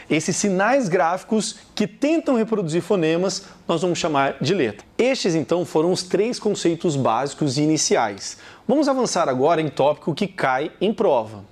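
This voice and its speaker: Man, Brazilian Portuguese accent, teacher, video lesson, very expressive pitch, addresses the viewer. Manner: animated, talks straight to the viewer, repeats example words slowly.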